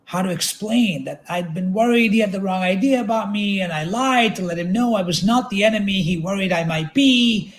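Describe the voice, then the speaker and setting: High-voiced man reading literary prose aloud. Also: a little fast, hardly any pauses. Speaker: reader at a literary event. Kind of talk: literary narration read aloud.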